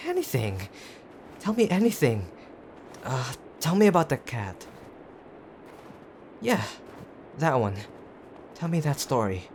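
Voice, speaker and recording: A man playing a gruff, teasing tsundere boyfriend who is frightened and tender underneath, in an intimate audio drama with brusque, halting urgency. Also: fairly high pitch, a little mellow. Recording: clear background ambient noise.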